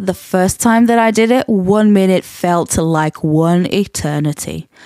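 The speaker is a woman who goes very slowly. Her intonation is lively. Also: dry, close sound with no echo. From Portugal. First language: Portuguese. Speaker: podcast host. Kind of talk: solo monologue, candid talk. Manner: candid, rambling, jumps between topics.

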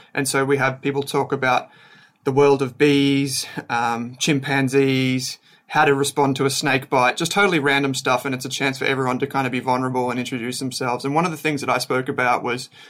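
Moving at a fairly quick pace, a man of medium pitch speaks with an Australian accent in a monotone, flat intonation. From Australia, Melbourne's outer east. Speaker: finance educator and business founder. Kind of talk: interview.

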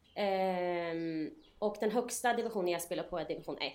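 This woman has a medium pitch and an ordinary speaking voice. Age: 20s. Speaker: college football player. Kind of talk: casual chat.

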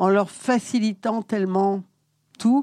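A woman's medium-pitched voice with a dark, mellow tone and ordinary pitch variation, in a dry, close sound with no echo and a quiet background. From immigrated to France at age 6. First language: other than French (speaking French). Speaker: advertising executive. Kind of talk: mentoring interview. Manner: hesitant.

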